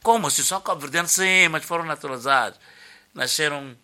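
An older man debates football on the radio as a sports commentator, animatedly telling stories while searching for words. His voice is on the high side and his pace brisk.

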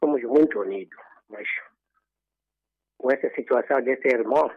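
A man from Mozambique phones in to a radio show, and his husky voice comes through dull and muffled. He talks earnestly and leans on religious phrasing. The sound is dry, with no room around it. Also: mid-range voice, moderate pace, darkish tone, no echo. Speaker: radio caller.

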